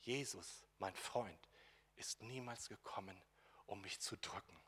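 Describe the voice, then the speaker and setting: A man preaching a sermon, moving between quiet, intimate lines and loud, emphatic passages, acting out quoted dialogue. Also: fairly low pitch, unhurried, breathy edge. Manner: acts out quoted dialogue in voices.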